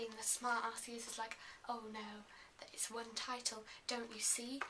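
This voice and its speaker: Someone with an English accent talks at a fairly slow pace in a monotone, flat intonation, with audible room echo and noticeable background noise. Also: woman. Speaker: vlogger. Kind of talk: casual chat.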